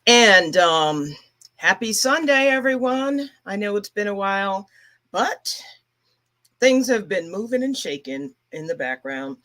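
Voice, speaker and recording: A woman's voice: medium pitch, sing-song, a little slow, sharp tone. A middle-aged woman from Brooklyn hosting a casual livestream, chatting and greeting viewers by name. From Brooklyn, New York. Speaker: travel agency owner and livestream host.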